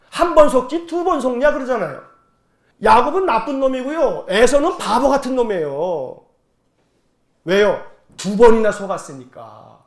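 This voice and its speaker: A man preaching a sermon as pastor, telling the story in lively colloquial speech and leading the congregation in repeating lines. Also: high voice. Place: church sanctuary. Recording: echoey church sanctuary.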